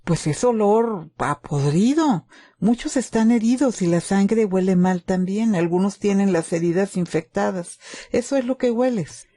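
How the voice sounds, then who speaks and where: A woman voicing a calm, protective male soldier in a wartime story, instructing and reassuring. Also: medium pitch, measured pace, no echo. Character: calm, protective German soldier, adult man.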